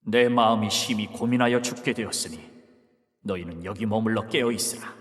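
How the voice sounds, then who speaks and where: An actor in an audio Bible drama playing a calm, solemn grown man who speaks with authority, in a measured, scriptural way. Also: on the low side, long reverb tail, close to an everyday voice.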